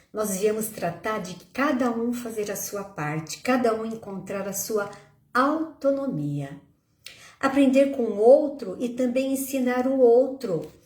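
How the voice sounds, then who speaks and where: A woman's fairly high-pitched, warm-toned voice with lively intonation, at a very slow pace, with audible room echo. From Brazil, São Paulo city. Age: 60s. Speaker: spiritist lecturer. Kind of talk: lecture. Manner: warm, conversational.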